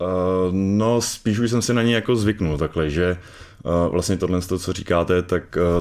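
Very clean and set against a silent background, the recording has a man speaking very deep and low with ordinary pitch variation. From Rakovník, central Bohemia. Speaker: volleyball player. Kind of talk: radio interview. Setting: studio. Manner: hesitant.

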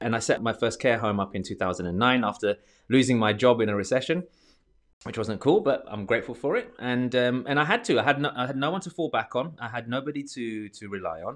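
Very fast speech in a British accent, with lively intonation. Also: man, medium pitch for a man. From Britain. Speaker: public speaker and entrepreneur. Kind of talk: interview.

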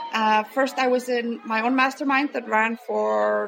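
A woman with an Icelandic accent at a very slow pace, in monotone, flat intonation. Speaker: dog behaviorist. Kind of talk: interview.

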